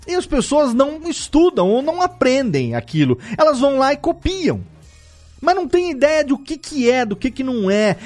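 A man hosting a podcast live stream, explaining audio production bluntly and casually, often checking in with "tá?" and "né?". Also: high voice. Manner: animated explainer, frequent "tá?" and "né?" check-ins; blunt and opinionated, swears casually. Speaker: podcast host.

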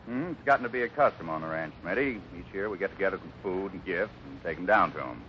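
A man's voice: deep voice, animated, fast. An actor playing a kindly, fatherly American ranch boss in a 1950s radio Western. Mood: friendly. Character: steady, kindly adult cowboy ranch boss. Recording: muffled, hissy 1950s radio recording.

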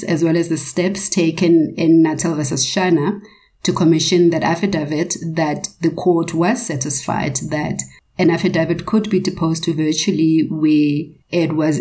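Woman, low pitch, formal, measured delivery, explanatory, prepared panel discussion. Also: mellow, rough recording.

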